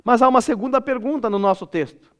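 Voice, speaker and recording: A man with a Brazilian Portuguese accent preaching an expository sermon in a church, expressive and dropping soft and low when he acts out a parent speaking. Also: quick pace. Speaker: pastor.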